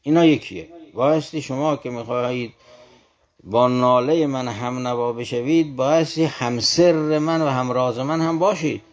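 A man in a conversation, explaining poetry in a measured, formal way and reciting verse lines slowly. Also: medium pitch. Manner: polite formal address. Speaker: guest explaining classical poetry.

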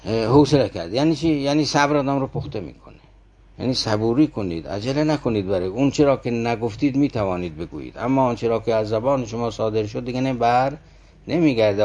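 A man's voice: mid-range voice, warm tone. Man explaining verse, rhetorical questions. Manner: addresses listeners directly, rhetorical questions. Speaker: teacher of classical poetry. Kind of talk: didactic talk explaining verse.

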